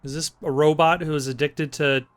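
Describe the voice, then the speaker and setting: A man hosting a casual let's play speaks a little fast in a slightly high voice with a steady tone. He tosses in dry, joking asides while game music runs underneath.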